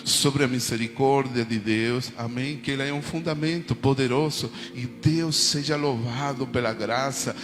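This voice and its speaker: A man's voice: mid-range voice, normal speed, hardly any pauses, big-room sound. A man from Argentina who speaks Spanish natively, preaching a sermon with an Argentine Spanish accent and leading the congregation in prayers and responses. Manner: preaching with call-and-response prayers and frequent "amém". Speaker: pastor.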